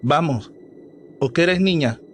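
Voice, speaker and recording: A man's voice: on the high side, animated, a little slow, a little hiss or hum. A man voicing a cocky, daring young male cousin who teases and pushes the others. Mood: taunting. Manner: teasing, pushy.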